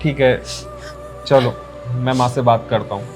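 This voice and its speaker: A man playing a gentle, soothing young husband. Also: medium pitch, steady tone, measured pace, faint music behind, close to an everyday voice. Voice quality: soothing, earnest. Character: gentle young husband caught between wife and mother. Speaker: son and husband. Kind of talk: rural Hindi film drama.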